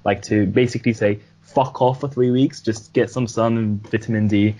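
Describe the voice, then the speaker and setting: A man's voice: fairly low pitch, fairly even intonation, moderate pace, mellow. A young man from Sweden chatting casually on a podcast, swearing freely and filling his talk with "like". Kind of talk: casual chat.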